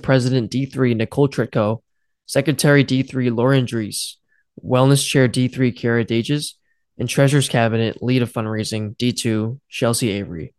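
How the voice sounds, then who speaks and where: Fast-talking male podcast host. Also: medium pitch, no echo, clean studio sound. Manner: brisk, reads names and titles in a list. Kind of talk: scripted podcast intro.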